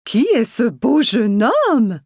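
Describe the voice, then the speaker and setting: A loving cartoon mom, speaking in a fairly high voice. She is tender and praising, as if to a small child. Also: very animated, slow pace, a little mellow, no echo, studio quality, full character voice. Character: loving, admiring young mother of a little boy.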